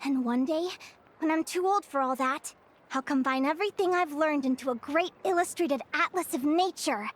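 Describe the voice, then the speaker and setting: A woman's voice: high voice, normal speed, slight background noise, natural voice. A woman voicing a young female bird fae in a video game, curious, bookish and cheerful, speaking in an articulate, eager and often wistful way.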